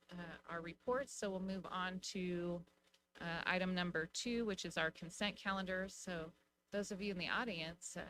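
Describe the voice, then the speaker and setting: Low-voiced American woman chairing a meeting. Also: low-quality recording. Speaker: mayor chairing council meeting. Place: council meeting room. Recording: clear background noise, electrical hum.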